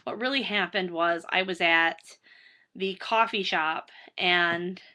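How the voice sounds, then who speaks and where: Hoarse, chatty woman. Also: fairly low pitch, takes it slowly, bright, forceful tone. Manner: self-deprecating, chatty, lots of fillers and restarts. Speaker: author reading her book. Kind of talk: casual rambling chat.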